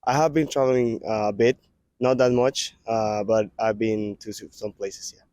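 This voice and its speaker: A man answering interview questions casually, often pausing with fillers. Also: fairly low pitch, steady tone, a little mellow, no echo. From Colombia. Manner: hesitant, many fillers.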